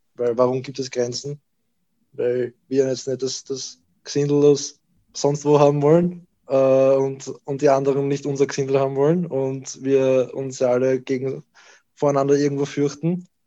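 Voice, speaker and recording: Monotone, flat intonation in a dark, mellow tone. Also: man, fairly high pitch for a man, moderate pace. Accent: Serbian. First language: Serbian (speaking German). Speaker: moderator. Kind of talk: casual chat. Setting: video call.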